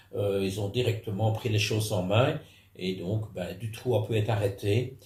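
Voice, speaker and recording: This man's voice is fairly low and somewhat breathy. He talks at a fairly slow pace with fairly even intonation. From Belgium. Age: 70s. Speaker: retired gendarme and author. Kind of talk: interview. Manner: halting, many fillers.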